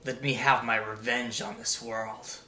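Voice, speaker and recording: A man voicing a sad, desperate disembodied male voice craving revenge, speaking slowly and gently. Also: medium pitch, level tone, reverberant, voice pushed down. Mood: brooding. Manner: slow, soft, gentle.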